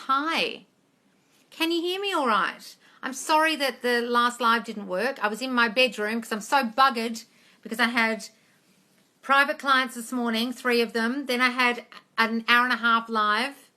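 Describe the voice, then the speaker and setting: A woman's voice: fairly high pitch, pushed and bright. A woman in her forties hosting a casual live question-and-answer chat, talking informally and addressing her listeners with endearments. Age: 40s. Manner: chatty, informal, calls listeners darling and guys. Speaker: manifestation coach hosting a live Q&A. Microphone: phone, close up.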